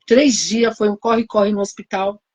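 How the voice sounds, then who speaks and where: A woman's voice: medium pitch, fairly even intonation, normal speed, a little mellow. A woman pastor with a Brazilian Portuguese accent giving an emotional testimony sermon, telling her story and reenacting her own prayers.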